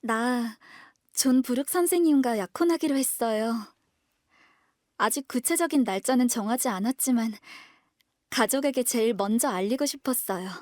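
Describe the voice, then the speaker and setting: A woman's voice: fairly high pitch, moderate pace, a little mellow, no room sound, studio quality, lightly acted. A woman acting a composed, sincere young woman, an elder sister, in an audio drama. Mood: earnest, hopeful.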